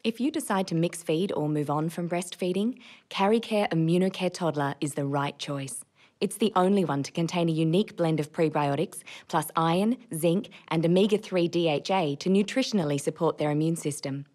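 Low-pitched young woman, polished voice-over read. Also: fairly quick, a little mellow. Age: young adult. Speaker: voice-over artist. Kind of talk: scripted commercial and narration voice-over. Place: recording studio vocal booth, indoors. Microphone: large studio condenser with pop filter, close.

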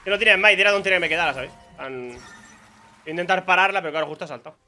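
A man's voice: a little high, rapid-fire, sharp tone, faint music behind. A young man with a Spain Spanish accent giving casual live commentary on his own gameplay, muttering to himself and exclaiming when surprised. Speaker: gaming streamer.

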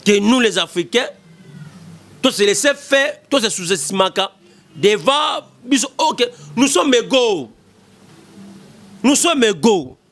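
Emphatic high-voiced Congolese man. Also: a bit bright. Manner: emphatic, repetitive, gesturing. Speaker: political commentator. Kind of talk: impassioned political commentary. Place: small studio. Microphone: desk mic in front.

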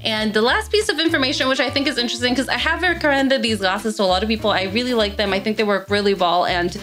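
A young woman in her twenties with a fairly high voice, answering viewer questions to camera in a casual, filler-heavy way from a small room. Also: quick pace, music in the background. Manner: chatty, lots of "like" and "um" fillers. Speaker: tech reviewer. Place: small room with gaming chair and LED lights, indoors.

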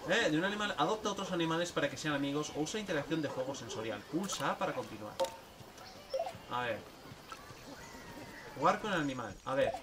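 Excitable man narrating a game. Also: on the high side, a little fast, long pauses, distant mic, a crowd in the background. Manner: coaxing animals playfully, chatty and excitable. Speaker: gameplay streamer. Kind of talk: casual gameplay commentary.

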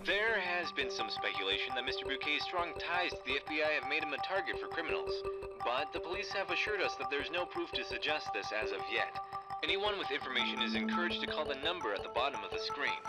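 An actor playing a composed local television news anchor in an audio drama, with formal scripted delivery. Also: male voice, medium pitch, animated, quick pace, close to an everyday voice, low-quality recording. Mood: composed, serious. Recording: music bed behind.

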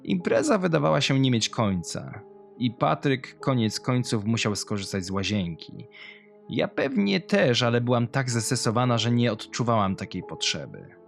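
A man's voice: medium pitch, very animated, moderate pace, gravelly. Man reading as a cold young female killer. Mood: brooding, haunted. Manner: confessional, menacing storytelling. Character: cold, talkative young female killer telling her past. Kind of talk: horror audio story. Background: music.

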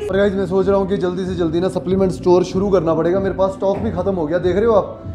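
Young man, gym vlogger, high-pitched, casual chat, camera at arm's length, music behind. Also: flat delivery, fast talker. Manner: chatty, pleading with viewers, loud when greeting members. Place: indoor gym. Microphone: handheld camera at arm's length.

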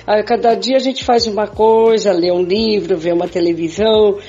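A woman's voice: medium pitch, fairly even intonation, moderate pace, dark tone. An older Brazilian woman chatting casually as in a voice message, full of tag questions. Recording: dull lo-fi audio with music.

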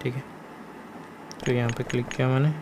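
A man's voice: mid-range voice, monotone, fairly quick. A man with an Indian accent explaining steps in a casual gaming screen tutorial, repeating his instructions as he goes. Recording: faint background noise.

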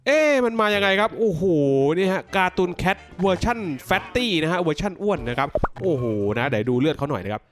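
A man hosting a gaming video, giving excited gameplay commentary full of exclamations as he reacts aloud to the action. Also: high-pitched, fast, hardly any pauses, over music.

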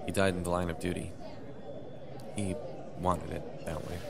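Man as a low-voiced, respectful rebel officer. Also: flat delivery, moderate pace, vocal fry, crowd noise. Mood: grieving. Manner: deferential, hesitant. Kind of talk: naturalistic sci-fi audio drama acting.

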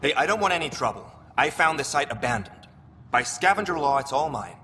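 A shifty alien scavenger trader with a bright, forceful edge to his voice. He is slick and wheedling, a hesitant salesman. The game dialogue rings in a long hollow reverb with faint noise. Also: on the high side, expressive, a little fast. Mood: defensive, salesy. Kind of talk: video game dialogue acting.

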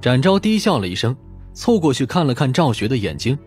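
A man's voice: mid-range voice, big pitch swings, fairly quick, darkish tone. A man narrating a scripted crime audiobook. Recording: music playing behind the voice. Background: background music.

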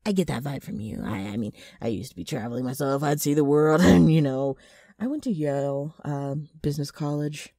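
In an ASMR character roleplay addressed to the listener, a gross, brash, scheming female ghoul ghost speaks in a low, rough, raspy voice with a dark tone, talking a little fast. She sounds sly and coaxing, rambling in flustered, salesman-like patter broken up by throat clearing. The studio-quality recording has no echo.

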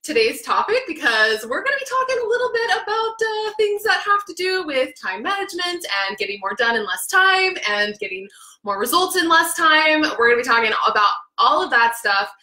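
An excitable woman in her thirties hosts a live podcast from her small home office, her naturally loud voice bright and forceful. She speaks into a studio mic while wearing headphones, and the room adds a noticeable echo. Her pitch sits a little high. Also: fairly quick. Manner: hyper, excitable, naturally loud, laughs often. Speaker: podcast host. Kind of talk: energetic live video podcast.

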